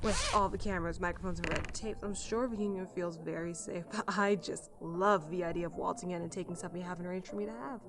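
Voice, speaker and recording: A woman's voice: lowish voice, steady tone, fast talker, few pauses, pitched below the performer's own voice, natural voice. A woman playing a shrewd, sardonic female space courier who is blunt, self-assured and coolly menacing in an audio drama. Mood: quietly menacing.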